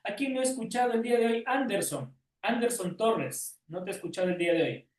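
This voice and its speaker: A man's voice: high-pitched, fairly quick. A male teacher giving an online class lecture, often checking in with questions and calling on students by name. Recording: roomy echo, distant from mic.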